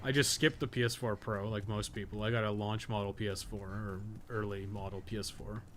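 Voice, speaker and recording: A man's voice: lowish voice, level tone, brisk, fairly bright tone, a little hiss or hum. Blunt, sweary male game streamer. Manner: blunt, sweary, rambling opinions. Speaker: game streamer and podcast host. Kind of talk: casual live game stream chat.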